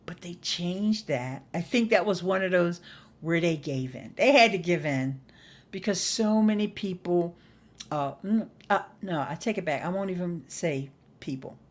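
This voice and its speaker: A woman's voice: lowish voice, lively intonation, measured pace. A middle-aged woman chatting casually to livestream viewers as host, folksy and playful, leaning on words for emphasis. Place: small indoor home studio. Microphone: desktop microphone close by.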